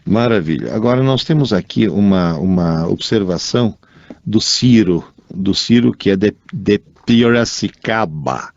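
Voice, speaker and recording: Italian-accented man, lively radio co-host. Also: on the low side, unhurried, no room sound. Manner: lively, chatty, reads listener emails. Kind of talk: casual radio chat. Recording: dull, dry studio sound.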